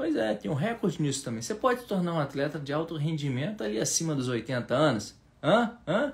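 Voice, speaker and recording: A man's animated, somewhat breathy voice, fairly high in pitch, fairly quick, with very wide pitch swings. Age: 40s. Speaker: running coach. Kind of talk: live Q&A stream. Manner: casual, animated. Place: home room.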